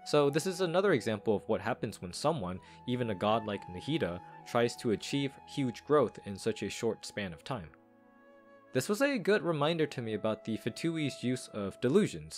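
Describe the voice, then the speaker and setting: A man with a lowish voice delivers scripted game review commentary in a casual, explanatory way. His intonation moves around a lot, rising and dropping through each point. Soft music plays behind him. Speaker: video game reviewer and lore analyst. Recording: background music.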